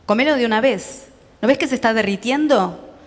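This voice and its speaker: A woman reading aloud the lines of a gruff, irritable father scolding his young son, with a Rioplatense accent. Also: mid-range voice, brisk, big-room sound, close to an everyday voice. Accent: Rioplatense Spanish.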